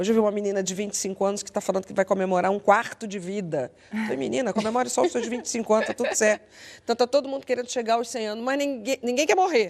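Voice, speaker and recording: With a fairly high pitch, this woman's speech races along at a very fast clip. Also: ordinary pitch variation. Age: 60s. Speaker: talk show host. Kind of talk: panel talk show discussion.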